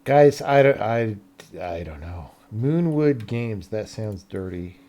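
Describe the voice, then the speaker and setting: A man's voice: on the low side, expressive, slow, dark tone. A man who hosts a game development livestream, chatting casually in a dry, grumbling, offhand way.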